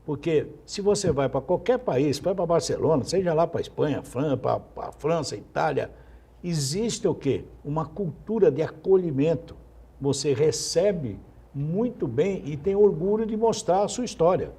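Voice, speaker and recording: A man weighs in as a panelist on a television talk show. His voice sits a little high but sounds dark and husky, and he talks in a measured, reflective way. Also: lively intonation. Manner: measured, reflective, interjects politely.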